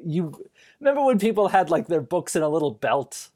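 A woman with a slightly low, very animated voice chats casually about a film on a podcast. Her pitch moves widely as she tells scenes with giggly, incredulous amusement. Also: fairly quick. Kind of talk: casual comic movie chat.

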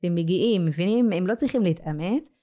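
Low mellow woman podcast guest, lots of fillers, gropes for words. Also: expressive. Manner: searching for words, many fillers. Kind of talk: podcast interview conversation.

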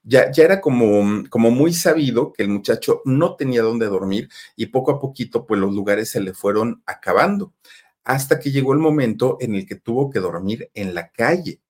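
A man's voice: mid-range voice, expressive, moderate pace, darkish tone. A man with a Mexican accent telling a gossip story in a chatty way, talking straight to his listeners. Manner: chatty, addresses listeners directly, many fillers. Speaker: storytelling host.

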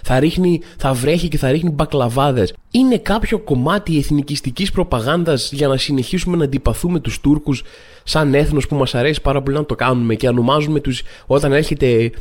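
A young man hosting a comedy podcast, ranting in an exasperated, incredulous way with sudden shouted bursts. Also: fairly high pitch. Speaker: podcast host. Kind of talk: comedic rant monologue. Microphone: studio microphone at a desk.

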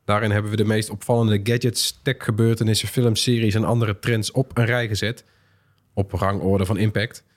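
A man with a slightly low voice hosts a tech podcast. He presents topics in a conversational way, moving between prepared lines and informal chat. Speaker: podcast host.

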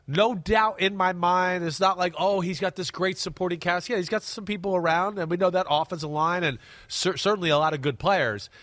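A man with a clogged-up, sniffly voice breaks down football in a casual studio chat. His pitch sits a bit high and he keeps leaning hard on his points, often checking in with "right?" The sound is close and dry, with no room around it. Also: fairly bright tone, dry recording. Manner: emphatic, repeats words, asks "right?". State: stuffy and congested. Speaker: podcast co-host. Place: studio desk close to co-host.

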